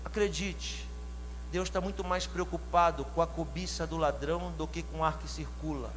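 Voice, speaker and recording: A man from São Paulo with a São Paulo Portuguese accent, preaching a sermon, questioning the congregation and building to loud shouted climaxes. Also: fairly high pitch, steady tone, moderate pace. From São Paulo, Brazil. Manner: asks the congregation direct questions. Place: church hall. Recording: long hall reverb, faint hum.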